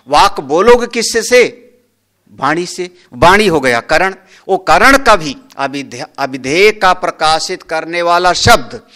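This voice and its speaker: A man's voice: fairly high pitch, pushed and bright. A man, a Hindu swami, giving a scriptural discourse, explaining a Sanskrit verse word by word and asking and answering his own questions.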